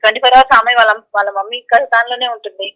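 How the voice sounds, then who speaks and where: Fast, bright-voiced woman on the phone. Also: fairly high pitch, steady tone. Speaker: phone interviewee. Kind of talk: spontaneous phone interview answers. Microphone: phone call. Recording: tinny telephone line.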